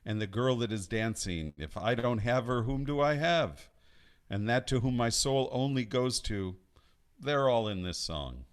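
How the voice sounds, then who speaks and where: A man leading a song, casually introducing and translating it before he sings, in a halting way with many restarts. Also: medium pitch, lively intonation, clear, resonant tone. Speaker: song leader. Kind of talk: casual spoken introduction before singing at a live-streamed study night. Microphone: home setup singing over recorded accompaniment.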